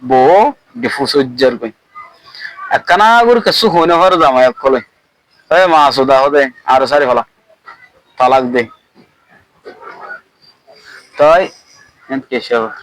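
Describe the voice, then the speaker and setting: A man's voice: mid-range voice, expressive, measured pace, pauses often, a bit bright, dry recording, low-quality recording. A man with a Rohingya accent giving informal, colloquial spoken commentary, repeating phrases for emphasis.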